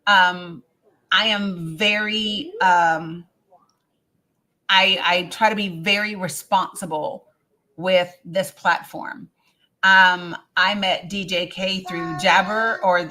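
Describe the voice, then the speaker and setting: A woman's voice: fairly low pitch, bright, forceful tone. A woman in her fifties hosting a live-stream panel, talking earnestly and firmly with many ums and restarts. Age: 50s. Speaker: livestream host.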